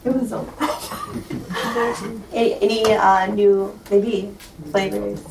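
A woman from the audience asking a question at a panel, halting and full of fillers. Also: medium pitch, level tone, vocal fry. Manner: slow, halting, giggly with fillers. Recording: echoey hall, distant mic, faint noise.

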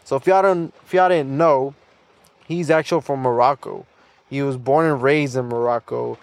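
A man's voice: mid-range voice, fairly even intonation, moderate pace, no room sound. Rambling young man podcasting. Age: young adult. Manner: loose and rambling, many fillers and restarts, laughs often. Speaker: podcast host. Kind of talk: casual solo podcast monologue.

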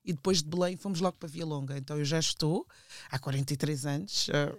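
A woman's voice: low-pitched, quick pace, dry recording, studio quality. A woman in her forties with a European Portuguese accent, chatting as a podcast guest over a remote call, laughing often and slipping into English phrases. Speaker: guest, teacher. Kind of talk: casual interview chat. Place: home in London. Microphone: remote call microphone.

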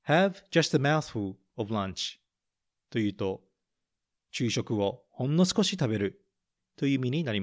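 A man with a medium-pitched, slightly mellow voice reads a picture book in English and Japanese, pacing the English lines slowly and carefully before translating them. Then, as a podcast host, he explains the English expressions in a straightforward teaching manner.

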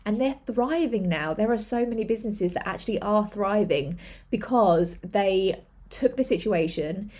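A woman hosts a podcast, giving a motivational monologue about running a business. Her voice is mellow and warm, at a middle pitch. She talks earnestly and chattily, with lots of fillers and repeated words. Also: normal speed. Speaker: podcast host, entrepreneur.

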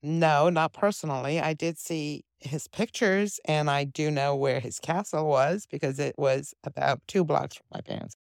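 A woman in her fifties speaks with a Romanian accent, her voice low-set with a gravelly fry. She tells her story earnestly and steadily, with small restarts, as an interview guest. The sound is dry and close. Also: normal speed, hardly any pauses, no echo. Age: 50s. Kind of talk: conversational interview.

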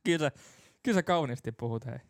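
Man, gravelly, mellow dark tone, dry teasing banter, very dry sound. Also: medium pitch, expressive, no room sound. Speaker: podcast co-host.

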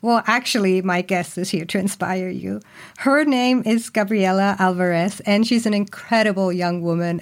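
A woman hosting a podcast in a bubbly, talkative way, introducing her show and her guest. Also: mid-range voice. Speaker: podcast host and coach.

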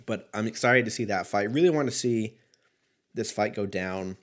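A man's voice: lowish voice, normal speed. A man in his thirties hosting a sports talk show solo, giving casual, rambling commentary in a laid-back, sweary way. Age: 30s.

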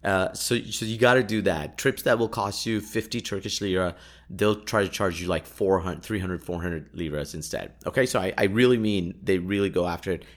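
Chatty man with a low voice. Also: normal speed. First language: Urdu. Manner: chatty, laughs often, many fillers and restarts. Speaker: podcast host. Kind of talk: casual travel storytelling.

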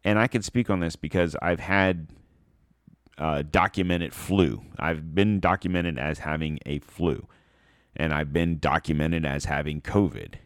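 A man's voice: a bass voice, a little slow, no room sound, clean studio sound. A man hosting a podcast, giving blunt, sarcastic political commentary in a rambling way with many fillers, a little stuffed up. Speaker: podcast host.

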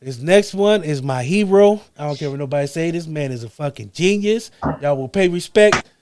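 A man's voice: a little high, expressive, noisy background. A man hosting a rowdy podcast chat, reading out a comic list with hyped jokes and laughs. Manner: hyped, joking, quick bursts with laughs. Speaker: podcast host. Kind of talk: comedic segment in a group podcast chat.

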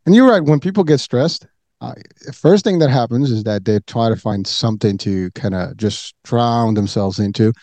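A man's voice: mid-range voice, normal speed, dark tone, no echo. A man from Morocco hosting a podcast, talking earnestly in a loose way, repeating words and saying "you know" a lot. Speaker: podcast host. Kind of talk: casual interview talk.

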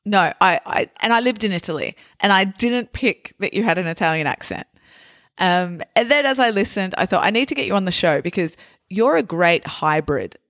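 A woman hosting a podcast interview, chatty and quick to laugh, asking many questions. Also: medium pitch, animated, a bit bright, no room sound, clean studio sound. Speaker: podcast host. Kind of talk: casual interview.

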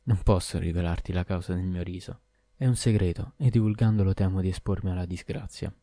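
A man's voice: sits low, fairly even intonation, fairly quick, dark tone, dry recording, studio quality, lightly acted. A man voicing a weary, exasperated merchant in an audiobook, speaking emphatically. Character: weary merchant who understands animals, adult man. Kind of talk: audiobook character voice.

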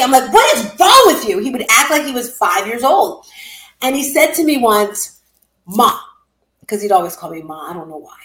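A middle-aged woman, a bereaved mother, tells her story in conversation, earnest and heartfelt with sudden lively outbursts. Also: a little high, reverberant, poor audio.

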